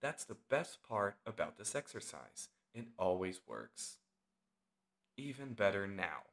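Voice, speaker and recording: A man narrates a guided meditation in the role of instructor. He delivers short, measured phrases and leaves long gaps between them. His intonation moves freely up and down across a wide range. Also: on the low side, big pitch swings, a bit bright.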